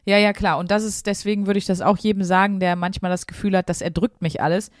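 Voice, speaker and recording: A woman's voice: medium pitch, little pitch movement, quick pace, no room sound, clean studio sound. A woman co-hosting a podcast, talking through her thoughts in an earnest, chatty way with many fillers. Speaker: podcast co-host. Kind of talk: casual podcast chat.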